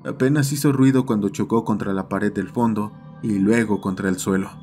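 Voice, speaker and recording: A man's voice: fairly low pitch, steady tone, normal speed, a little mellow. A man narrating a scripted horror story as the host of the channel. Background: background music.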